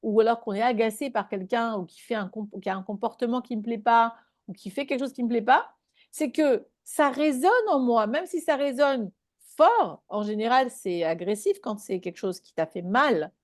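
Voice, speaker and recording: A woman's voice: on the high side, normal speed, no room sound, studio quality. A woman giving a live spiritual talk to a small online group, speaking conversationally and checking in with her listeners.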